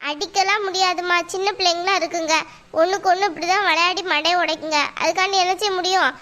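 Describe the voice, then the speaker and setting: A woman's voice: extremely high pitch, fairly even intonation, quick pace, a bit bright. A woman voicing a weary, patient school teacher in a cartoon, speaking in a soothing but firm way. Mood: calm firm. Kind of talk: cartoon voice acting.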